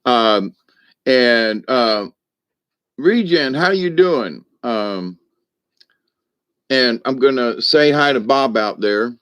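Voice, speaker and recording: A man's voice: medium pitch, expressive, drawn-out words, long pauses, a bit bright, clean tone. A man hosting a livestream as a shaman, talking in a folksy, meandering way with many asides to his viewers. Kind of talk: rambling spiritual talk to viewers.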